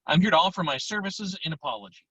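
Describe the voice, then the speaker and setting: A man playing a laid-back, slangy teenage slacker best friend in an amateur table read, with a deadpan way of talking. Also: fairly high pitch, quick pace, slightly rough, no room sound, heavily acted. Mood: deadpan, casual. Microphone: virtual table read over video call. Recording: dull lo-fi video call audio.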